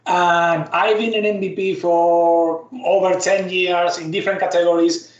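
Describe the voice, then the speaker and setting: A man's voice: high voice, flat delivery, unhurried. A man from Argentina, speaking as a guest on an online talk in a loose, friendly, self-deprecating way. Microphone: video call. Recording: roomy, dull online call audio.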